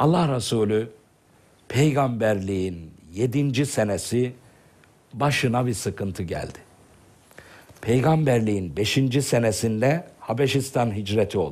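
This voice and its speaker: With long, frequent pauses, a man speaks fairly slowly and with lively intonation. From Turkey. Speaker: religious TV program host and preacher; religious TV program host, preacher. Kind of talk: religious talk show sermon. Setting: TV studio. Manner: animated. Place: studio. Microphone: lapel.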